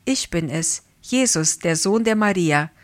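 Soft divine male voice, gentle, quiet, calm, read by a woman, lowish. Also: unhurried, dry recording.

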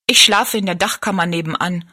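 A woman's voice: on the low side, brisk, sharp tone, husky. A woman voicing a tired, bitter young kitchen maid who speaks bluntly and complains in a storybook reading. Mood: weary.

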